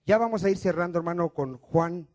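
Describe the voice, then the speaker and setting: A male pastor preaching a sermon in a church. He asks the congregation questions and answers them himself, loud on one line and dropping to a hush on the next. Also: sits high, brisk. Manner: swings from loud emphatic lines to dropped, quiet endings.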